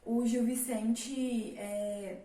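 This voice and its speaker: Woman, casual literature lesson, slightly high voice, echoey room, mic far off. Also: fairly even intonation, drawn-out words, warm tone. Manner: chatty, many fillers, rhetorical questions. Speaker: teacher. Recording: roomy, mic at a distance.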